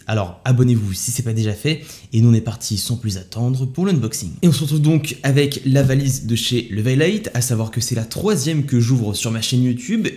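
A man's voice: mid-range voice, warm tone. A man hosting an upbeat, enthusiastic product unboxing review on his channel. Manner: enthusiastic, upbeat salesy delivery. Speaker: YouTube tech reviewer.

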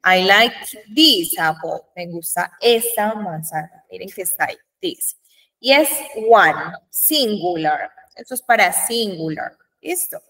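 Slow-speaking woman teaching English. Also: lowish voice, lively intonation, bright, forceful tone, recorded from a distance, poor audio. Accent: Colombian Spanish. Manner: slow, drawn-out model sentences, frequent "¿Listo?" checks. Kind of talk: classroom lesson explaining grammar.

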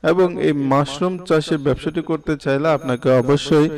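A man's voice: fairly high pitch, fairly quick, a little mellow, far from the mic. A young man from Bangladesh with a Bangladeshi accent, hosting an explainer video and addressing the viewer directly. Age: young adult. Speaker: video host. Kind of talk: explainer narration of business ideas.

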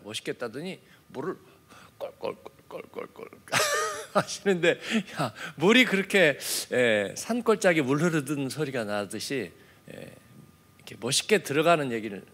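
A man with a mid-range voice serves as pastor for an early-morning church sermon, speaking conversationally. He peppers it with affirming fillers and moves between quiet asides and forceful points.

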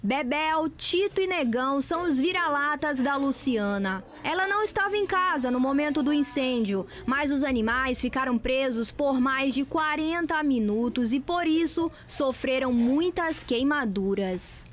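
A woman reporter narrating a TV news story with a crisp reporting cadence. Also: high-pitched, animated, unhurried, hardly any pauses, a little hiss or hum.

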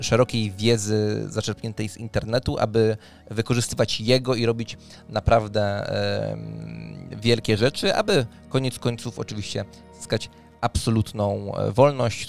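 A man's voice: lowish voice, creaky. A man, co-hosting a discussion of tabletop role-playing ideas, often searching for words. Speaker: podcast co-host, game master. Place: small dim home studio. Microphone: close studio mic on arm, headphones. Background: faint music.

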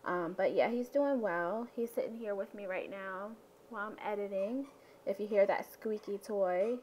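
A woman's voice: mid-range voice, normal speed, dull audio, slight background noise. A young woman and mother chatting casually in a home vlog, rambling with lots of ums. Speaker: vlogger, mother. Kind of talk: casual family vlog chat. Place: home living room.

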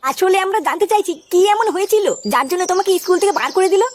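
Woman as a high-pitched cartoon news reporter. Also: rapid-fire, slight background noise. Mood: formal, inquisitive. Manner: announcing, formal, questioning. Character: inquisitive on-site television news reporter.

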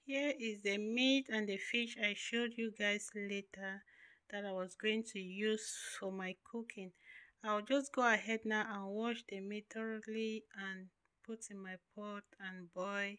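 A woman's voice: mid-range voice, steady tone, unhurried, a bit bright, smooth, no room sound. A woman in her thirties narrating a home vlog in a casual, simple explanatory way, repeating words for emphasis. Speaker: home vlogger. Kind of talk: casual cook-and-clean voice-over narration.

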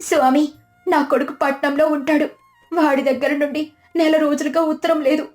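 A woman's voice: high-pitched, level tone, normal speed, darkish tone, pitched above the performer's own voice, natural voice. A woman voicing a devout, worried mother in a moral story, fretful and pleading. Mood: anxious, pleading. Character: anxious rich man's wife, devout, worried mother. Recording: music behind the voice.

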